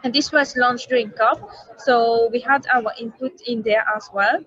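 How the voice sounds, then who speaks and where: A woman panelist from a youth climate network, speaking hesitantly with many fillers, her voice slightly croaky. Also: a little high, steady tone, normal speed, fairly bright tone, no room sound, dull audio. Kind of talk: panel discussion over video call.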